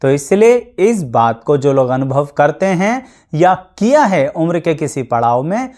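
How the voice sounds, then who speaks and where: A man's voice: on the high side, sing-song, unhurried, a little mellow. A man speaking as an astrologer, explaining things to his viewers in a plain, practical way with everyday examples and English words mixed in. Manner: mixes English words into Hindi.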